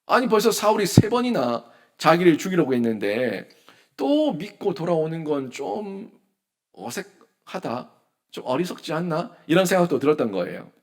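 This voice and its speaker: A man's voice: a little high, big pitch swings, normal speed. A male pastor preaching a sermon, retelling scripture as dialogue and asking his listeners questions.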